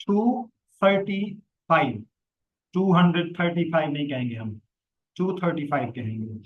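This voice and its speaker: A man teaching a live online English class, explaining patiently and slowly modeling pronunciation of example sentences. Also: fairly high pitch, low-quality recording.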